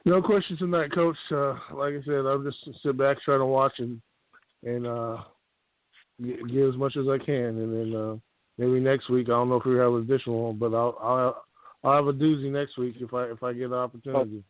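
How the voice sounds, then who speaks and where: A man's voice: mid-range voice, little pitch movement, a little fast, no echo. Man on a clipped phone line. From California. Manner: earnest, grateful, searching for words. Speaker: radio show caller. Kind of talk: casual call-in chat. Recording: tinny, dry phone line.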